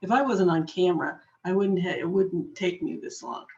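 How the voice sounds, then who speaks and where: A woman slowly demonstrating a jewelry-making technique on camera, a little hoarse, chatting patiently as she works with her hands. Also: lowish voice, darkish tone, muffled recording. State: slightly hoarse. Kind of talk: slow step-by-step craft demonstration.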